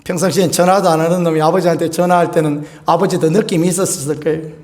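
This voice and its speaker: A man in his fifties preaching a sermon, telling a homely personal story with animated, folksy delivery and chuckles. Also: on the high side, fast talker. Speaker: pastor.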